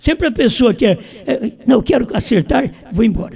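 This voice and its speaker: Noticeable background noise behind a man speaking at a fairly slow pace and high pitch. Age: 70s. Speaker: pastor. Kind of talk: sermon.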